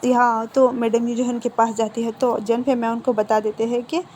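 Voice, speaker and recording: A woman retells a story in a casual, chatty way, stopping now and then to correct herself. Her voice sits high, with a mellow, soft tone and a faint hiss in the background. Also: flat delivery, fairly quick. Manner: conversational, self-correcting. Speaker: story narrator.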